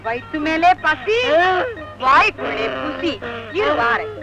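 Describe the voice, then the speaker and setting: A woman's voice: high-pitched, lively intonation, slow, exaggerated voice, poor audio. An actress playing a chatty comic village woman who sells appam, bantering with rhyming wordplay in a 1970s film comedy. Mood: fussing. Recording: film soundtrack with music behind.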